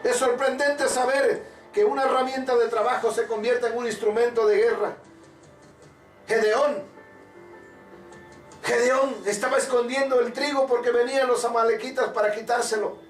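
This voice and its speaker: High-voiced fervent male preacher. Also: steady tone, moderate pace. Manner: fervent, repetitive, calls for congregation responses. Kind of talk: sermon. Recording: echoey room, distant mic, faint music.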